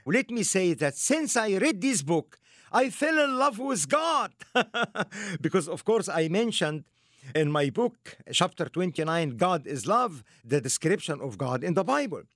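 A man's voice: high voice, very animated, unhurried, a bit bright, no echo, clean studio sound. A man preaching with fervor, an evangelist and author speaking in a sing-song style. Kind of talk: preaching and promoting his book.

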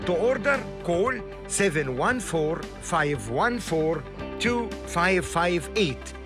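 A man's voice: high-pitched, very animated, takes it slowly, over music. A man preaching with fervor, an evangelist and author speaking in a sing-song style. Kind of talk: preaching and promoting his book.

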